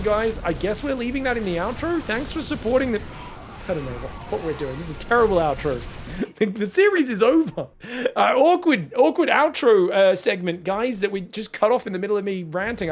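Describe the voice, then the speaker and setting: Man, esports caster, high voice, energetic, casual slang, excited commentary. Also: noisy background. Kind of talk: excited live game commentary.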